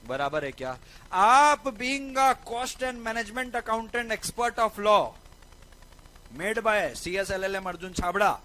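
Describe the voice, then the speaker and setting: A young man teaching law in a lecture, telling a personal story in a lively way and often asking his listeners whether they agree. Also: high-pitched, low-quality recording. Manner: lively, keeps asking "right or not?". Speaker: law tutor.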